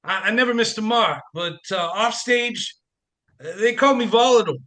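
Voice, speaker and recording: A man's voice: high voice, moderate pace, fairly bright tone. An actor playing a volatile, self-pitying jilted man in a comic radio play, agitated and stammering. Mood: sheepish. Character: volatile, desperate jilted man, ex-chorus performer turned hostage-taker.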